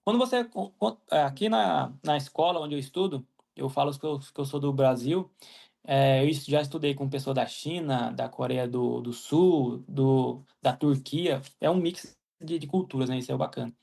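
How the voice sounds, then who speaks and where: A man's voice: medium pitch, normal speed, gravelly, a little mellow. A young Brazilian man from Mato Grosso, answering interview questions casually with lots of "né?" tags and restarts. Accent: Brazilian Portuguese. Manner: many fillers and "né?" tags, restarts. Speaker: guest, agronomist living in Ireland.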